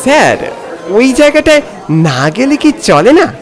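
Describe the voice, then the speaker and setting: A man voicing a nervous, deferential male film assistant who speaks hesitantly in an animated horror story. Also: very high voice, unhurried, over music, crowd noise, pitched above the performer's own voice, exaggerated voice. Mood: worried pleading. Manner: hesitant, stammering, respectful.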